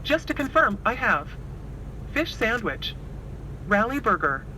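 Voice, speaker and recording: Robot guy voice on a drive-thru speaker, super high and bouncy, polite order-taker, car noise all over it. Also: very animated, a little slow, bright, forceful tone, poor audio. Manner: polite, scripted order-taking. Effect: heard through a drive-thru speaker box. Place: restaurant drive-through lane, outdoors. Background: car engine and street traffic.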